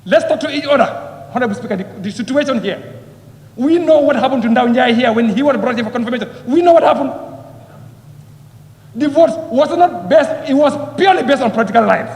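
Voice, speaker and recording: A member of parliament delivers an impassioned speech in the chamber, his very high-pitched, slightly mellow voice lively and a little fast. He repeats phrases and fires off rhetorical questions, and the echoey hall adds long reverb.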